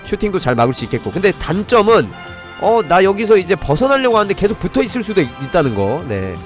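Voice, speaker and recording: Talking fast and very animated, a man with a high voice runs a live gaming stream with soft music in the background. He demonstrates things step by step, stopping to address his viewers as he reviews and comments on the game.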